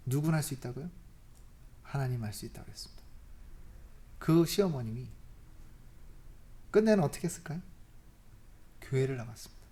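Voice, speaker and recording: A preacher at a church service tells a story in a sermon, swinging between loud emphasis and soft asides and asking the congregation rhetorical questions. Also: medium pitch.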